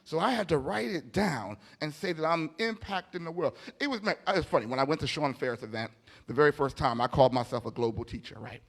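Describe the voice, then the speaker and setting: On stage in a large indoor hall, a man delivers a motivational sermon to a live audience, his fairly high voice gravelly and emphatic. He's informal, telling anecdotes and repeating key phrases with dramatic pauses, while the echoey room adds long reverb.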